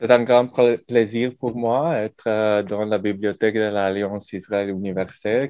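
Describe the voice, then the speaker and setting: A man's dark, mellow voice with a non-native accent, fairly slow pace and fairly even intonation, in a dry, close sound with no echo. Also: quiet background. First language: not French (speaking French). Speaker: university professor. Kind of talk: lecture with slides. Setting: library event with audience. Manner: halting, searching for words.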